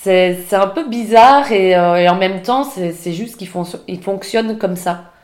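A woman's voice: medium pitch, measured pace, darkish tone. A woman from Belgium, a podcast guest, talking casually and hesitantly with many restarts. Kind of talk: casual conversation. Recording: roomy echo.

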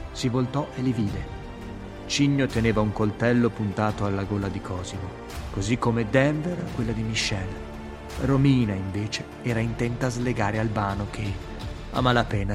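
A man narrating an adventure audiobook in a dramatic, expressive reading style. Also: medium pitch.

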